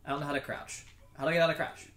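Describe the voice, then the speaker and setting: A young man with a slightly high voice talks casually through a co-op game. He jokes and swears freely, and the room around him rings with clear echo. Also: level tone, racing, fairly bright tone. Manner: sweary, joking. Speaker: gamer in co-op play. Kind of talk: casual gaming chat. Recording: roomy, echoey voice recording.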